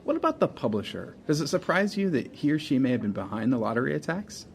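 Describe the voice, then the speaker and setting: An earnest male radio host in an audio drama. He questions formally and pointedly, his mid-pitched voice moving up and down with lively inflection. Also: fast talker, gravelly. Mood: inquiring. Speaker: interview show host.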